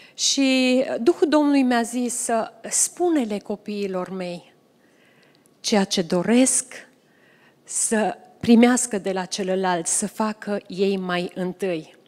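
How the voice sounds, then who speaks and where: A very slow pace with lively intonation. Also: woman, fairly high pitch for a woman. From Oltenia, Romania. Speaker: missionary's wife; speaker. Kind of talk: sermon. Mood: warm, advisory. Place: church. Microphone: handheld.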